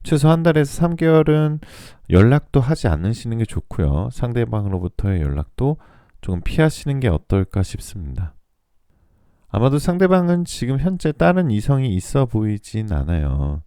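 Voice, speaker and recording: A man reading tarot for listeners in a soothing, polite, measured radio-like style, his voice still recovering from a throat cold. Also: mid-range voice, sing-song, dark tone, clear, resonant tone, dry recording, clean studio sound. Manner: soothing, polite, measured delivery meant to lull listeners to sleep. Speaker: tarot reader and channel host.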